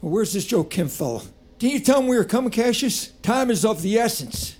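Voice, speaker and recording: An actor playing an arrogant Southern plantation master and frightened father, with a husky, domineering voice and a Southern American accent. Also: sits high, expressive, fairly quick, darkish tone. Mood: contemptuous. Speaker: actor in audio drama.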